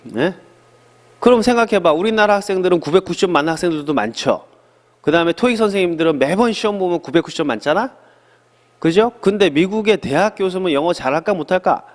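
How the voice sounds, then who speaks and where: A middle-aged man teaches an English lesson, lively and chatty, asking questions and answering them himself. He is high-pitched and talks fast; the place is a small studio, though it sounds like a large hall.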